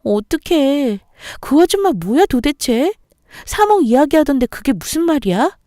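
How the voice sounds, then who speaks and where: A woman's voice: sits high, sing-song, a little slow, mellow, no echo, clean studio sound, pitched above the performer's own voice. Woman reading a fretful younger sister. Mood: worried.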